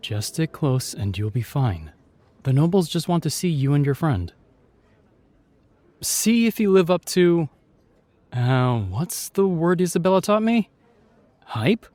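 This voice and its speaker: An actor playing a chivalrous, shyly tender knight in a fantasy audio roleplay, speaking with courtly, reassuring and slightly hesitant phrasing. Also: male voice, on the high side, big pitch swings, a little slow, long pauses, warm tone, no echo. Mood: reassuring, wry.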